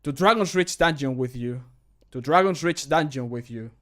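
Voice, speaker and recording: A man, a native Spanish speaker, voicing a scolding, stern city guard for a fantasy game in a deliberate, warning manner. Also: medium pitch, a bit bright, lightly acted. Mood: commanding.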